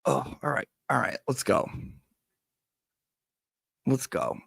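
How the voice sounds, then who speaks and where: A man's voice: medium pitch, animated, slow pace, vocal fry, a bit bright, breathy edge, no echo, studio quality. A man with whistling s sounds, chatting casually as a livestream host and reading out viewer messages.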